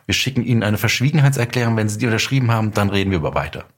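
Male interview guest, middle-aged, low slightly rough voice, casual storyteller who voices quoted lines. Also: animated, racing. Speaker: guest, audio drama writer and director.

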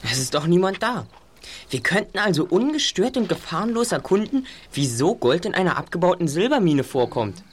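A keen young boy detective in a radio play. The delivery is animated and reasoning. Faint effects noise sits behind it. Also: lowish voice, fairly quick. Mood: curious, planning. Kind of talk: German radio play acting.

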